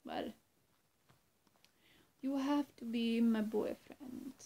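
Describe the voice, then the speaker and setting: Young woman, vampire roleplay, slightly high voice, creaky, halting, coaxing and menacing, whispery dips. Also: fairly even intonation, dark tone. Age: young adult. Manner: slow, halting, often dropping to a whisper. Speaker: roleplay performer. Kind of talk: in-character vampire roleplay to the listener. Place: small room indoors.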